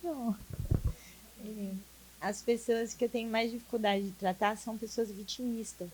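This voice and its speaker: A woman in class speaking up, halting and searching for words. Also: fairly high pitch, fairly even intonation, darkish tone, slight background noise, rough recording. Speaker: student.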